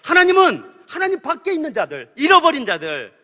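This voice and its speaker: A middle-aged man preaching a sermon through a personal story, swinging from hushed storytelling to loud, animated outbursts. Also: very high-pitched, a little fast. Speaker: pastor. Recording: hall reverb.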